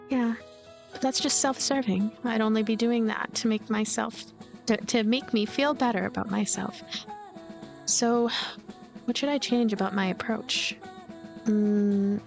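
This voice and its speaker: A woman's voice: a little high, close to an everyday voice. Woman reading as a hesitant, lonely ghost girl. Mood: pensive. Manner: hesitant, introspective. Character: lonely, anxious, awkward young ghost girl narrator.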